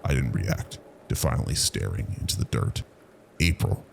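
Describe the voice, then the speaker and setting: Very deep, gravelly man narrating horror, haunting. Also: moderate pace, noisy background. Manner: low, haunting delivery. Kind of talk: dramatic scripted horror narration in the first person.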